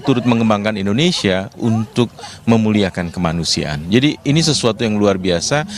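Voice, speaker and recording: A man, a newspaper executive, answering a reporter's questions outdoors in a measured, reflective way with occasional fillers. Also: fairly low pitch. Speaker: newspaper deputy chief, interviewee. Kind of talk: live interview answers. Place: outdoors at a cemetery.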